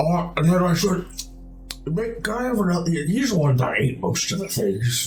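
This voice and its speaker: Clear music plays in the background as a man uses a high-pitched put-on character voice. He keeps a moderate pace. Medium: actual play. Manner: teasing.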